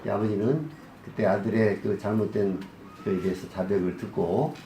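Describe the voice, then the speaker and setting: A male pastor preaches a sermon at a moderate pace with fairly even intonation, asking the congregation questions and answering them himself. He acts out scenes in a softer, low voice, recorded in an echoey hall with slight background noise.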